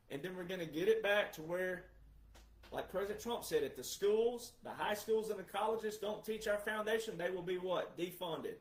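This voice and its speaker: A man's voice: high voice, reverberant, low-quality recording. Emphatic man asking rhetorical questions. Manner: emphatic, asks rhetorical questions then answers them; repeats key words for stress. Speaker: commentator. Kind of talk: monologue commentary.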